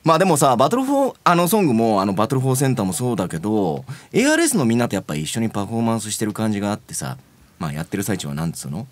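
A rapid-fire idol emcee. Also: male voice, on the low side, wildly swooping pitch, dry recording. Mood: bantering. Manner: quick, bantering, steering the show. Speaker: show host. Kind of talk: casual radio talk in character.

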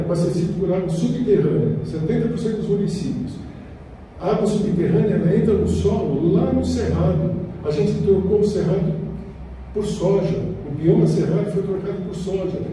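A middle-aged Brazilian man lectures with a handheld mic, his high, dark-toned voice picked up from the back of a very echoey small hall. He talks in a chatty way, tossing questions and tags at the audience. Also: slight background noise. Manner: conversational, frequent "né?" tags, addresses audience directly. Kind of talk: public lecture with slides. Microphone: handheld mic, far camera. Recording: echoey room from far off.

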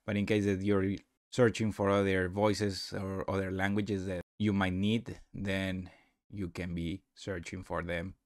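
Low-voiced man explaining software. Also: little pitch movement, dry recording, studio quality. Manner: halting, explanatory. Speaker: software demonstrator. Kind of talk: unscripted screen-recording tutorial narration.

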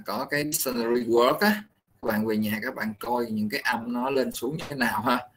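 A man's voice: medium pitch, fairly bright tone, breathy edge, poor audio. Patient male teacher. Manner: patient, pausing often to explain slowly. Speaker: English pronunciation teacher. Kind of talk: classroom instruction mixing Vietnamese and English.

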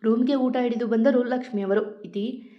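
A woman narrates a romantic storybook tale in a gentle, expressive way. Her voice sits in a middle pitch, and the recording sounds a bit muffled and lo-fi. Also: normal speed.

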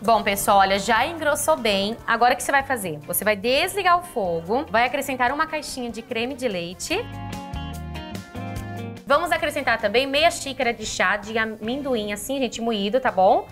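Chatty higher-voiced woman cooking host. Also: expressive, moderate pace, music in the background. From Brazil. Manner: chatty, affectionate, calls viewers "my loves". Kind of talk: upbeat recipe tutorial. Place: home kitchen, indoors.

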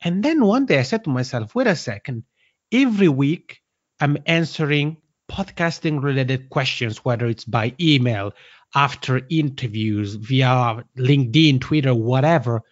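A man with an Italian accent talks casually as a podcast guest, his pitch rising and falling a lot. He laughs easily and restarts phrases as he goes. The sound is dry and a little dull. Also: lively intonation, measured pace, no echo. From Italian-speaking Switzerland. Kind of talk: casual interview chat. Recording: dry, slightly dull audio.

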